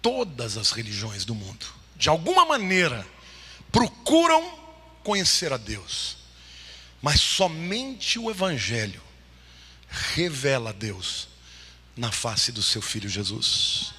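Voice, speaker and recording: A man preaching a sermon, swinging between loud, high exclamations and low, hushed lines. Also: very animated, takes it slowly, slightly rough, in a large hall.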